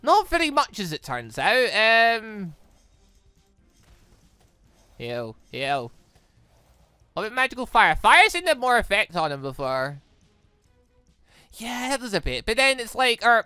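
A gaming host talks through play in a bright, animated voice, rambling and thinking aloud. The sound is dry and close to the mic, with game music faintly underneath. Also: mid-range voice, unhurried, pauses often, smooth, no room sound. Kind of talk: excitable let's play commentary and dialogue read-aloud.

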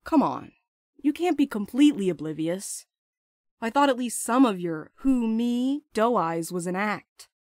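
A woman's voice: on the high side, animated, unhurried, a little mellow, no room sound, clean studio sound. A woman playing a restless, blunt courier in an audio drama, urgent and sardonic, eager to escape. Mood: earnest, confessing.

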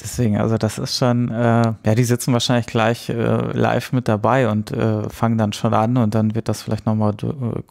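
A man's voice: medium pitch, little pitch movement, moderate pace, vocal fry, few pauses, darkish tone. A man talking casually as a podcast co-host, thinking aloud in a hesitant way.

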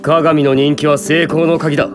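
A man's voice: fairly high pitch, level tone, moderate pace, music in the background, close to an everyday voice. An actor playing a stern, arrogant young male producer in a voice drama, speaking coldly and curtly. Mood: indignant. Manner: cold, curt, commanding. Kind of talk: anime-style voice drama acting.

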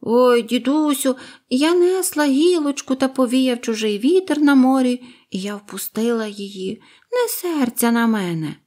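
A woman voicing small eager spring birds who chatter in high, excited, apologetic voices. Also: unhurried.

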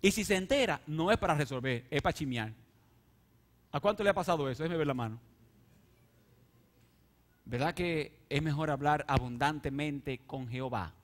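A man preaching a sermon, swinging from soft, intimate asides to loud, rising appeals and question-and-answer calls to the congregation. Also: fairly high pitch, normal speed, long pauses. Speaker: pastor.

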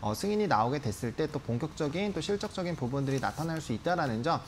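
A fairly high-pitched male analyst, in his thirties, talks fast with large rises and falls in pitch while covering stocks live on television. He explains things in a polite, formal way from the TV studio, wearing a lapel mic, and there's slight noise behind him.

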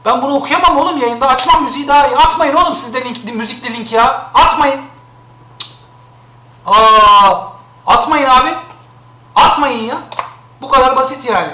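A streamer man complains live, exasperated, circling back over the same gripes. His voice sits very high and sounds bright and sharp. The room around him rings with echo. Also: moderate pace, pauses often, slight background noise. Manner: exasperated, complaining, repeats himself.

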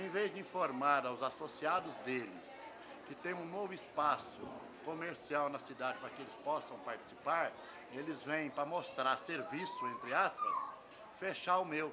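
An older man with a Brazilian accent, giving an emphatic interview as a fair organizer, driving points home with repeated phrases. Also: on the high side. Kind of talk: on-camera news interview. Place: semi-open covered event hall. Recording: clear ambient noise of an open venue.

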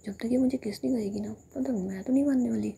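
A woman whispering the lines of a cheeky, quick-tempered young woman. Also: a little high, gravelly, dark tone, slight background noise. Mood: teasing. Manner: whispered teasing.

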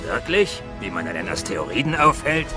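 An actor playing a skeptical, wry mammoth leader in an audio drama. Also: male voice, fairly low pitch, very animated, normal speed, over music. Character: doubting male mammoth leader.

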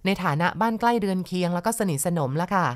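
A woman with a low voice narrates a ghost story in a polite, chatty manner, adding soft asides to her listeners. The recording is dry and close, with no echo. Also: fast. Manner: polite, conversational, adds soft particles and asides. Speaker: storyteller and channel host.

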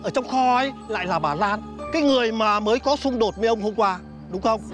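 A man's voice: high-pitched, fairly quick, natural voice. An actor playing a blunt old man in a nursing home who challenges and accuses. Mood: accusing. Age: older. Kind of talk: TV drama acting. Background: background music.

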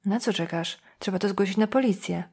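A woman's voice: mid-range voice, a little fast, a little mellow, slightly rough. Woman reading a young man, son joking lightly. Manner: light, trying to sound joking.

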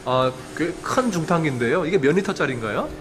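A man's voice: on the high side, expressive, fairly quick. Man interviewing in a roomy echo. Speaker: interviewer visiting an organic farming cooperative. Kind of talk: on-site interview. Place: indoors in farm facility rooms, off camera. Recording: roomy echo, faint background noise.

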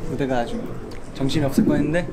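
A man's voice: mid-range voice, rapid-fire, heavy background noise. A young man chatting playfully backstage before a fan meeting, boasting and joking as he films himself. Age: young adult. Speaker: idol group member vlogging backstage. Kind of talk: casual backstage vlog chat.

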